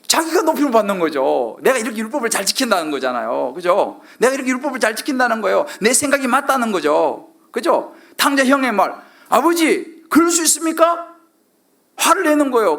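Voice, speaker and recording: A man's voice: very high voice, fairly bright tone. A middle-aged male pastor preaching a sermon, constantly asking the congregation questions and acting out quoted lines.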